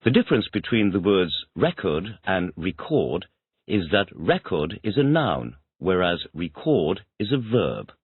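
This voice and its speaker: A man's voice: low voice, big pitch swings, measured pace, slightly rough, dry recording. A man taking an English lesson, answering each question by repeating it back in complete sentences. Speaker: English student. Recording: tinny phone-like dry audio.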